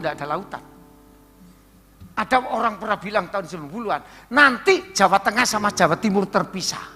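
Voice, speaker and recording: A male pastor preaches to his congregation in a high, piercingly bright voice. He talks in a conversational way, asks the listeners questions, and slips words in. The sound has a long church-hall reverb, with soft band music behind him. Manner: mixes in Javanese words. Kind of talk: sermon.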